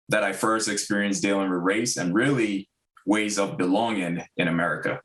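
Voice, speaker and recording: A man in his thirties, originally from Ghana, speaks to a public school meeting in a fairly low voice. His delivery is earnest and measured, dotted with um and uh. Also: a bit bright, poor audio. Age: 30s. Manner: earnest, measured, frequent um and uh fillers. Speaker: district diversity director. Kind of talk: prepared remarks at a public meeting.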